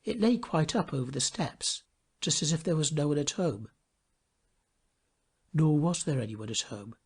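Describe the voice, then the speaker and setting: Expressive male storyteller, lively swooping pitch. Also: unhurried, husky. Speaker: storybook reader. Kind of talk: scripted storybook narration.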